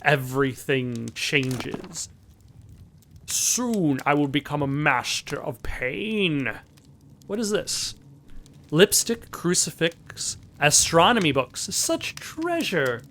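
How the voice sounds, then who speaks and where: A man playing a video game who reads its text aloud in a plain, measured way, with casual asides. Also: a little high, sing-song, a bit bright, slight background noise. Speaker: let's play host.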